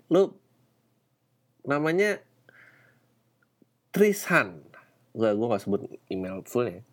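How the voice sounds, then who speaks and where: A man hosting a solo podcast, talking in a rambling, slangy, profane way with lots of fillers. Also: mid-range voice. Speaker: podcast host. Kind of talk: casual solo podcast monologue.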